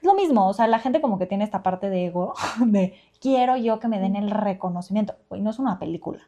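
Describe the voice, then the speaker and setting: A woman's voice: medium pitch, expressive, fast, warm tone. A young woman with a Mexican accent co-hosting a casual podcast, chatty, laughing often and filling her talk with fillers. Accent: Mexican Spanish. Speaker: podcast co-host. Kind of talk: casual chat.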